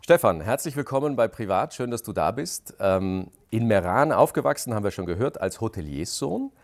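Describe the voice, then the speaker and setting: A man's voice: lowish voice, expressive, brisk. A middle-aged man, hosting a TV interview and asking questions in a friendly, conversational way. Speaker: host. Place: rustic hotel lounge.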